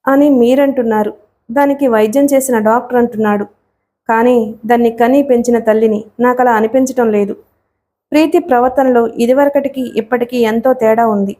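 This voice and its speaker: A woman's voice: a little high, dark tone, natural voice. A woman voicing an anxious middle-aged mother who speaks in a pleading, heartfelt way.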